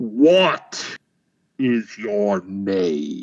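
This is a booming, put-on character voice. Its intonation is lively. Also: man.

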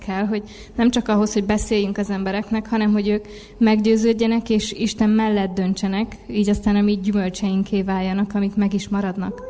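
Very fast speech from a woman with a Hungarian accent, medium pitch and monotone, flat intonation. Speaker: interpreter. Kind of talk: interpreted sermon.

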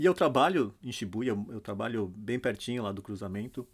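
On a very clean recording with a silent background, a man talks at a moderate pace in an ordinary speaking voice. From Brazil. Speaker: guest living abroad. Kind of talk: casual chat.

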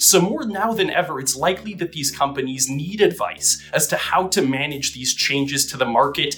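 Over noticeable background noise, a man talks at a fairly high pitch. He leaves hardly any pauses. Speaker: student podcast host. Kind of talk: interview. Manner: formal.

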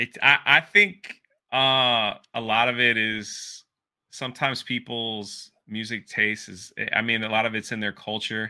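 A man talks in an ordinary speaking voice at medium pitch and a fairly slow pace. His intonation is fairly even, but his loudness swings widely. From US East Coast (Washington DC, Miami). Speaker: podcast host. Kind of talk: casual interview chat. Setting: livestream video call.

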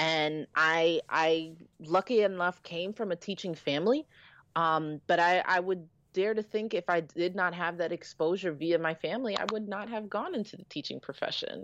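A woman's unremarkable speaking voice, fairly low in pitch, with an American accent, moderate pace and ordinary pitch variation, in a dry, close sound with no echo and a quiet background. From United States. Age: 20s. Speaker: high school English teacher. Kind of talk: interview.

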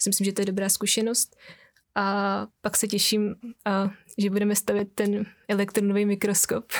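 A woman speaks at a moderate pace and medium pitch with monotone, flat intonation. Her loudness stays very even on a very clean recording with a silent background. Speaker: physics doctoral student. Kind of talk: interview.

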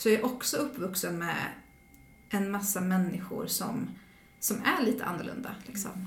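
A woman speaks at medium pitch and a moderate pace with ordinary pitch variation and long, frequent pauses. The room echo is audible and there is noticeable background noise. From Sweden, childhood in Liberia. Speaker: pastor. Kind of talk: casual chat. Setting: home kitchen.

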